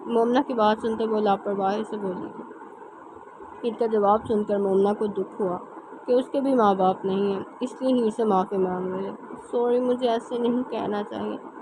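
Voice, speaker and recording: A woman reading a romance novel aloud in steady storytelling narration. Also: medium pitch, background noise. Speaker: novel reader.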